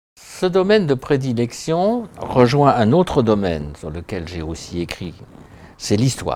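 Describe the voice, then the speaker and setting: A man talks at a fairly slow pace. His pitch swings very widely and his loudness rises and falls sharply. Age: 70s. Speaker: author. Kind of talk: interview. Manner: halting.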